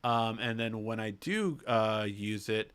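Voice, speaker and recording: A man's voice: on the low side, takes it slowly, fairly bright tone, clear, resonant tone. A young man hosting a casual tech livestream, reading viewer questions aloud and answering them with lots of fillers and restarts, his nose a little stuffy. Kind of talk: casual live Q&A chat.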